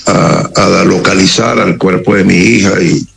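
This is a middle-aged Venezuelan man with a deep, gravelly voice, full of vocal fry. He speaks slowly and gravely, pausing often and choosing his words as a guest on a radio interview. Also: steady tone, a bit bright, a little hiss or hum, poor audio. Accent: Venezuelan Spanish. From Caracas, Venezuela. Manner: slow, halting, grave. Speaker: interview guest, security operative.

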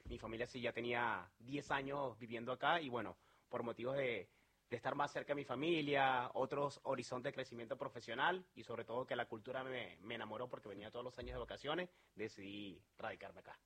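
A man's voice: mid-range voice, fairly even intonation, fairly quick, fairly bright tone, slightly rough. A man from Venezuela with a Venezuelan accent, talking earnestly as a sales manager in an interview, with many fillers and restarts.

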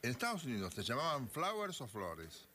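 Older male radio host, Rioplatense accent, teasing and animated, bright voice. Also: medium pitch, fairly quick, slight background noise. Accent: Rioplatense Spanish. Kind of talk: casual radio chat.

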